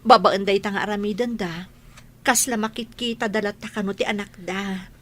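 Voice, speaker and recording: A woman's voice: mid-range voice, steady tone, moderate pace, fairly bright tone, natural voice. A woman playing an earnest, caring daughter. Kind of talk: audio drama acting.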